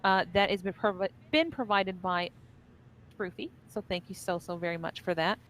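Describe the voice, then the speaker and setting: A woman's voice: fairly low pitch, normal speed, a bit bright, low-quality recording. A woman co-hosting an esports stream, explaining the schedule, giveaways and fights in an upbeat, organized way. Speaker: esports co-caster. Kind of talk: casual esports commentary.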